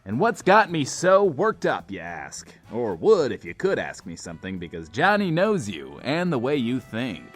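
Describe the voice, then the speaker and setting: Vain theatrical bunker dj, voice bouncing up and down, music behind. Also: male voice, medium pitch, wildly swooping pitch, moderate pace, hardly any pauses. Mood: grandiose excitement. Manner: grandiose, coy, third-person self-reference. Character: vain, flamboyant post-apocalyptic bunker radio host, theatrical and playful. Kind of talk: audio drama as in-world radio show.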